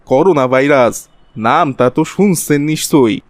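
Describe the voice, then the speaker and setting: Man playing a sly Bangladeshi scheming profiteer, higher-pitched voice. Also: unhurried, dry recording, natural voice. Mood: ominous warning. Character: scheming city man, sly profiteer spreading virus panic. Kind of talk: Bengali cartoon voice acting.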